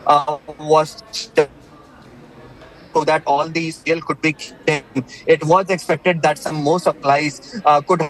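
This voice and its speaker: Halting Indian male reporter, slightly high voice. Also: flat delivery, rough recording. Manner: halting, repeats words and phrases, many filled pauses. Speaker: field news reporter. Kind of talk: live breaking-news reporting.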